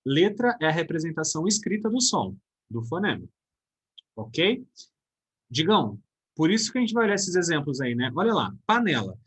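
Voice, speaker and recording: A man's voice: a little high, sing-song, moderate pace, fairly bright tone, breathy edge. A Brazilian man with a Brazilian Portuguese accent teaching a recorded grammar lesson in a casual, chatty way, often checking in with his students.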